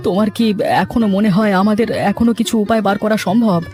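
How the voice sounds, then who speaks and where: A man's voice: high voice, steady tone, fast, darkish tone, faint music behind, natural voice. A man voicing a distressed, regretful village husband in a melodramatic cartoon, plaintive and anxious. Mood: anguished, regretful.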